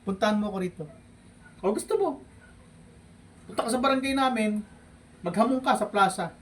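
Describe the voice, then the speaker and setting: A man from the Philippines ranting in a vlog, taunting a rival with laughs and drawn-out hums. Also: high-pitched, fairly bright tone. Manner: mocking, provoking, with frequent laughs and drawn-out hums. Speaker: vlogger. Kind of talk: taunting livestream rant. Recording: distant mic with faint background noise.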